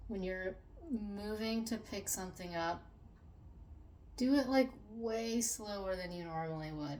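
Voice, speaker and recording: A woman's medium-pitched voice at a fairly slow pace, with ordinary pitch variation, long and frequent pauses, audible room echo and noticeable background noise. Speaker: vlogger sharing self-care tips. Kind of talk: casual talking-head video. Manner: halting, with repeated words and fillers.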